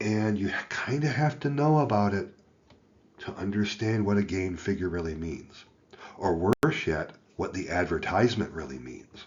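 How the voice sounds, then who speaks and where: A man speaks with a fairly low pitch at a moderate pace. His pitch swings very widely. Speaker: amateur radio educator. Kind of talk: technical tutorial talk to camera. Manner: slightly slurred pronunciation; casual, friendly.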